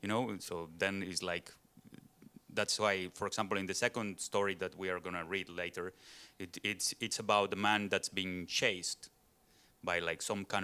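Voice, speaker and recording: With a Spanish accent, a man speaks at a very deep, low pitch in a bright, sharp tone and a flat monotone at a moderate pace. The recording is very clean, with a silent background. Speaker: fiction writer. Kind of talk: panel discussion. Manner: halting.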